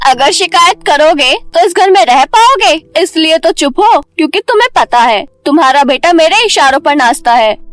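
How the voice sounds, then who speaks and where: A woman's voice: sits high, expressive, normal speed, a bit bright, no room sound. A woman voicing a haughty, domineering young stepmother in a cartoon story, with a sneering manner. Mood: threatening. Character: haughty, scornful young stepmother and daughter-in-law. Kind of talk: Hindi cartoon moral story acting.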